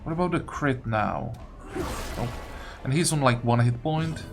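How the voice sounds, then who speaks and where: Man muttering casual game commentary, lively pitch. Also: a little slow, gravelly, noisy background. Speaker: gaming video creator playing and commenting. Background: game music.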